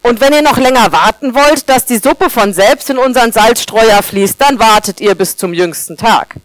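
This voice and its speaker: An agitated salt grain in a storybook tale calls the others to order with forceful words, as a woman reads it aloud. The sound is dry, with no echo. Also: on the high side, normal speed, close to an everyday voice. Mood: indignant. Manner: forceful, exhorting. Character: fed-up salt grain who roars for quiet.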